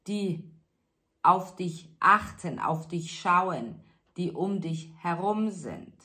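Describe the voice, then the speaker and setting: Slow, bright-voiced woman reading tarot. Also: on the low side. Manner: slow, soothing, addresses listener directly. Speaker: tarot reader. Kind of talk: spiritual tarot reading monologue.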